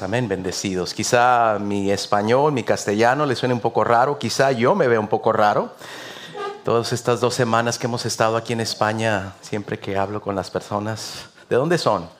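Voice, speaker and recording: A man with a Mexican Spanish accent, a visiting pastor preaching a sermon in an earnest, rhythmic way with repeated amens. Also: fairly low pitch.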